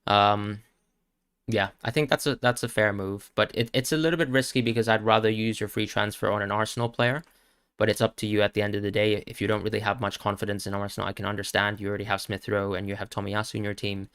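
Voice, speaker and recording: A man hosting a live question-and-answer stream, talking quickly as he reads out viewers' questions and answers each one on the spot. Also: fairly low pitch, level tone, a bit bright, clear, resonant tone, no echo, clean studio sound. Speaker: fantasy football stream host.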